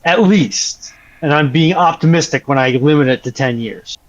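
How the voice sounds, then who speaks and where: A man's voice: a little high, moderate pace, highs cut off. A man on a panel, chatting casually in a wry, drily sarcastic way. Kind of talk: casual joking chat.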